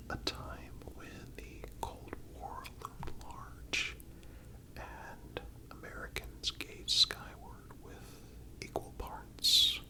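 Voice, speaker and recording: A man whispering a scripted story as an ASMR host, in a measured, deliberate way with pauses. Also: sharp tone, low-quality recording.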